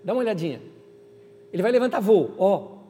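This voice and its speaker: A man voicing a calm, gentle teacher who softly coaxes a listener to look at nature. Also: high voice, brisk, in a large hall. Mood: coaxing. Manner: soft, coaxing, repeating invitations.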